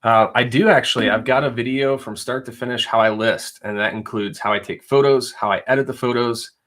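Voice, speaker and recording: A man's voice: medium pitch, steady tone, a little fast, fairly bright tone. A young adult man hosting a casual live stream, chatting in a rambling way and reading viewer questions aloud. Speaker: reseller livestream host.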